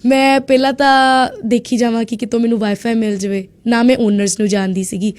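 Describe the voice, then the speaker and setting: A young woman from India, a student guest on a radio show, telling her story in a lively way and acting out what people said. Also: a little high, a little fast. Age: young adult. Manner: lively storyteller who acts out quoted speech. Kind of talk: casual storytelling interview.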